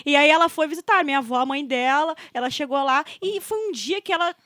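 A woman's voice: high voice, fast talker, bright, forceful tone, no room sound, studio quality. A woman co-hosting a podcast, chatting playfully and cracking jokes. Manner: joking, playful interjections. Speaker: podcast co-host. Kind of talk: casual chat.

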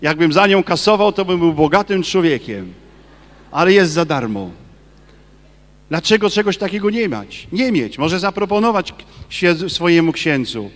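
A man, a Catholic priest, giving a lively sermon and firing rhetorical questions at his listeners. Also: sits high, normal speed, long reverb tail. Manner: acts out quoted people in his talk.

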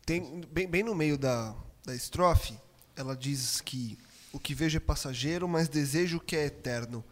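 A man's voice: fairly high pitch, normal speed. A Brazilian man hosting a casual faith discussion, reflecting and posing questions. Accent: Brazilian Portuguese.

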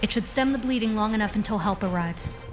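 A woman's voice: medium pitch, over music, close to an everyday voice. An actress playing a brave young masked female vigilante in a pulp radio drama, determined and dryly witty. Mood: wry, determined. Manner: determined, dry wit, unhurried. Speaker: actor.

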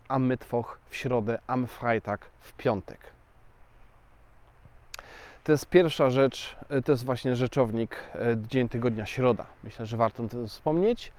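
Slow-talking man teaching casually. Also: medium pitch, a little mellow. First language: Polish. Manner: chatty, addresses viewers directly, slow and deliberate. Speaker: language teacher. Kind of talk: casual explanatory lesson.

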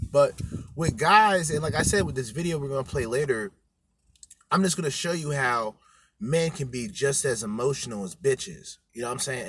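With a mid-range voice over a noisy background, this male co-host delivers crude ranting commentary on a podcast. He's profane, blunt and emphatic, cursing constantly.

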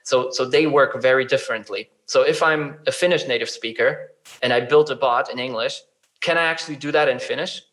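A man's voice: medium pitch, brisk, a bit bright, rough recording. A man in casual conversation, explaining ideas through examples, hesitant with frequent fillers and restarts. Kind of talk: casual conversation about chatbot design.

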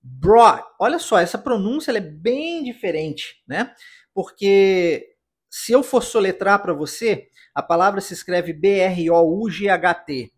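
A Brazilian English teacher with a husky voice, patiently explaining pronunciation step by step in a podcast lesson. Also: medium pitch, expressive, measured pace. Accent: Brazilian Portuguese.

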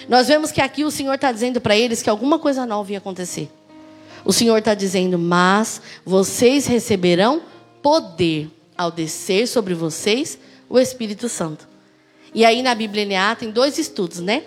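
High-voiced Brazilian woman preaching. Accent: Brazilian Portuguese. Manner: animated, rhetorical questions. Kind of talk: sermon with personal stories.

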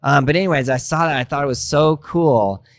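A man's voice: on the high side, brisk, no room sound, studio quality. A man in his late thirties from Montana, guest in a casual interview, telling stories with lots of fillers and acting out his past thoughts. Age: 30s. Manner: animated, many fillers, acts out past thoughts. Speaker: guest, skateboard instructor.

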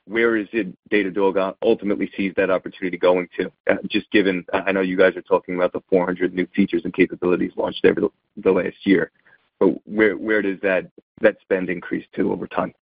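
Male financial analyst, low husky voice, polite wordy questioning, dry narrow telephone sound. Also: little pitch movement, fast, no echo. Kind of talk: earnings call question. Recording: dry, narrow phone line.

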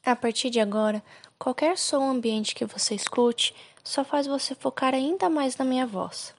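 A woman with a Brazilian accent narrating a guided relaxation hypnosis like a sleep story, soothing and unhurried, giving gentle instructions with pauses. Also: sits high, dry recording.

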